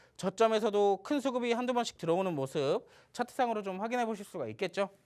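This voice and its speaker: Very fast speech comes from a man with a high voice. The recording is very clean, with a silent background. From South Korea, Chungcheongnam-do. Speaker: stock market expert. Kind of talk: stock tip pitch on TV show.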